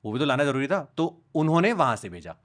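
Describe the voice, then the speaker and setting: A young man, a podcast guest, talking in a casual conversation and telling animated stories as he switches between Hindi and English. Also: medium pitch, fast talker. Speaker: podcast guest, content creator.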